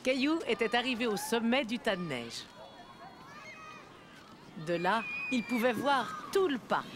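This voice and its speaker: Animated woman narrating children's stories. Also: on the high side, a little slow, noisy background. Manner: expressive storytelling for young children. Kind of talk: scripted children's story narration.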